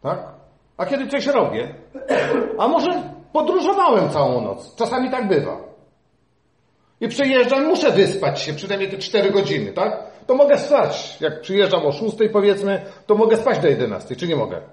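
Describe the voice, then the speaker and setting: Middle-aged male pastor, lively fairly high voice, emphatic preaching in a reverberant hall. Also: moderate pace. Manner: animated preaching, rising to emphatic peaks, dropping to quiet asides. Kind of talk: sermon.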